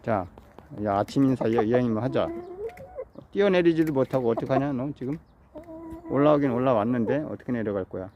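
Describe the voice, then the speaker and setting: A man in the early morning chats to his pet chicken on a rooftop, coaxing and teasing it like a child. His voice sits at an ordinary middle pitch. The audio is a bit dull and lo-fi, with faint outdoor ambience behind him. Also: expressive, fairly quick, background noise. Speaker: pension owner talking to his pet chicken. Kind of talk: casual talk to a pet.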